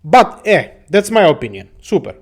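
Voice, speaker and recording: High-voiced man. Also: big pitch swings, normal speed. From Balkans. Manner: rambling, profane, laughs often, keeps saying "my friends". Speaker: host. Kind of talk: casual monologue to viewers.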